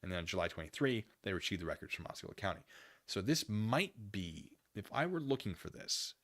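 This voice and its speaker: A man hosting a live stream, reading documents aloud and commenting casually with conversational, animated asides. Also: lowish voice, a little fast. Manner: conversational, animated asides, acts out imagined dialogue.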